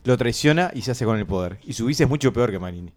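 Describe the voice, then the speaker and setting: A man's voice: medium pitch, animated, fast, darkish tone. A man with a Uruguayan Spanish accent, a radio show host in comedic banter, playfully spinning absurd stories. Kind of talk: comedic banter among hosts.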